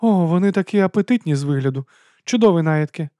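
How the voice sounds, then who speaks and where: A man's voice: a little high, expressive, fast talker, dark tone, no echo, clean studio sound, voice pushed up, close to an everyday voice. A man voicing a well-bred noblewoman who stays polite and hearty in an audiobook.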